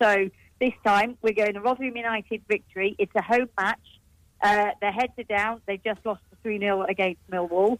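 A woman with an English accent, fairly high in pitch, at a moderate pace, in a dry, close sound with no echo. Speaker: football fan and commentator. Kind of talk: casual chat.

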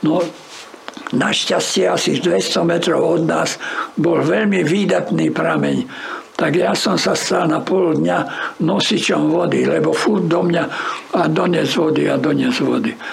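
Speaking at a fairly slow pace, a man keeps his loudness very even, with audible room echo and noticeable background noise. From Záhorie region, western Slovakia (Stupava). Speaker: former radio journalist and eyewitness. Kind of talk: oral history interview. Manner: halting, with many fillers.

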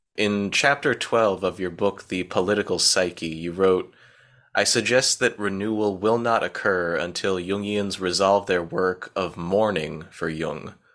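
On a very clean recording with a silent background, a man with an ordinary speaking voice speaks at a fairly slow pace, fairly low in pitch and with fairly even intonation. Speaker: podcast host. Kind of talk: interview, scripted intro.

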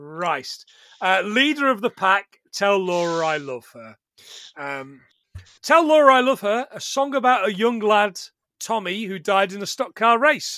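With an East Midlands accent, a man speaks in a raised, projected voice at a fairly slow pace, his high pitch and bright, sharp tone marked by very wide pitch swings and big swings in loudness, all on a very clean recording with a silent background. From England, Nottingham. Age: 40s. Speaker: podcast host. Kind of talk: casual chat.

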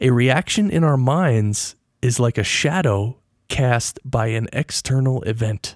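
In a very clean recording with a silent background, a man with an unremarkable speaking voice talks fairly slowly at a medium pitch, his loudness very even, his pitch variation ordinary, and the sound dry and close with no echo. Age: 40s. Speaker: podcast host. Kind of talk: casual monologue on spirituality.

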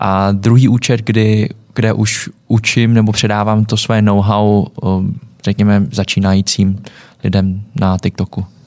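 A man talks at a fairly slow pace with a fairly low pitch and very even loudness. His intonation is monotone and flat, with noticeable background noise. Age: 20s. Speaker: social media creator. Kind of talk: interview.

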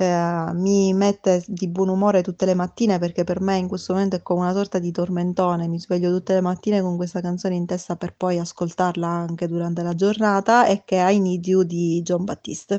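A woman's medium-pitched, dark, mellow voice, flat and monotone, at a fairly quick pace over a quiet background. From Sicily. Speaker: university staff, volunteer. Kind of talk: interview testimony.

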